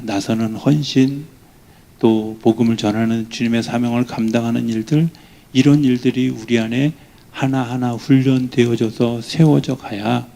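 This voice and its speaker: A male pastor giving a lively weekday sermon, acting out the voices he quotes with sudden rises in pitch and volume. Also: gravelly. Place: church.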